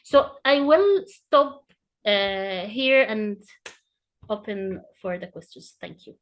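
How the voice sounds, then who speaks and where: A woman's voice: medium pitch, lively intonation, takes it slowly, muffled recording. A woman panelist speaking off the cuff, hesitant and full of fillers yet impassioned. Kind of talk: unscripted panel remarks.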